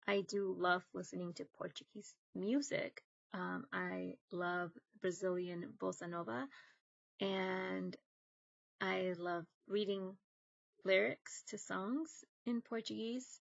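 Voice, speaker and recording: A young woman from northern Mexico whose first language is Spanish, talking casually and thoughtfully to camera as a book vlogger, with frequent ums and pauses. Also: medium pitch, gravelly, no echo, lo-fi sound. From Monterrey, northern Mexico. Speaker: booktuber.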